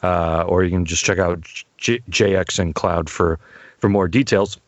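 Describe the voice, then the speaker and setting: A young adult man hosting a podcast, talking in a relaxed, rambling way with many fillers. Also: sits low, a little slow, no echo. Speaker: podcast host. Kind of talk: casual chat. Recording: dull lo-fi dry sound.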